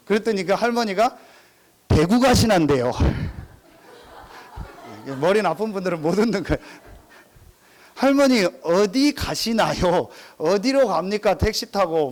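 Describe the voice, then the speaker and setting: A male pastor preaches in a fairly high voice, telling funny stories to his congregation. His pitch leaps up and down as he acts out regional dialects and laughs at his own jokes. He keeps drawing listeners in with rhetorical questions. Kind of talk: sermon with humorous anecdotes.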